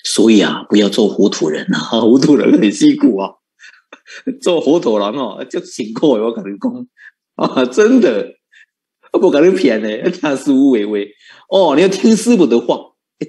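A man's voice: mid-range voice, big pitch swings, normal speed, dark tone. A man giving a Buddhist sermon, coaxing his listeners with repeated rhetorical questions and frequent chuckles. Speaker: Buddhist monk teaching.

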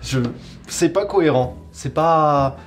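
A man's voice: on the high side, slow pace, faint music behind. A young adult man, giving a blunt, casual counter-opinion as co-host. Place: wood-panelled bar room, indoors.

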